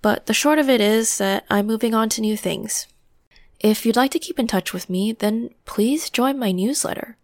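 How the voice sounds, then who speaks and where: A woman hosting a meditation podcast, guiding listeners gently through breathing and affirmations in a calming voice, with some cues softly whispered. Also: a little high, moderate pace, no room sound, clean studio sound. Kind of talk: guided meditation.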